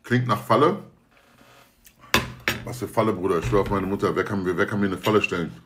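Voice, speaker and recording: A man's voice: lowish voice, fairly quick, noisy background. A young man talking casually to viewers on a livestream, slangy and joking, often swearing oaths. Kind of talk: casual stream chat.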